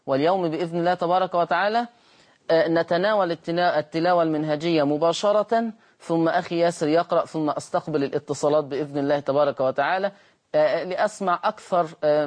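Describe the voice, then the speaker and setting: A man teaching Quran recitation on a broadcast lesson, patiently repeating words slowly to demonstrate their sounds. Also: a little high, steady tone. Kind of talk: televised Quran lesson, explaining Warsh reading.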